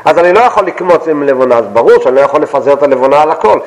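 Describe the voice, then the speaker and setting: A man with a fairly high voice teaches a text study lesson. He quotes a verse and then unpacks it in plain words, putting questions to himself and answering them. His voice rings with a long tail of reverb from the room. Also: expressive. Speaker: Torah teacher.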